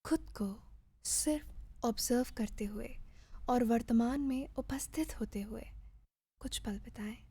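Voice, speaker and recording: A woman guiding a meditation in a soft, breathy voice, giving gentle, soothing and measured instructions with pauses. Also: a little high. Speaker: meditation guide. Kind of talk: guided meditation narration.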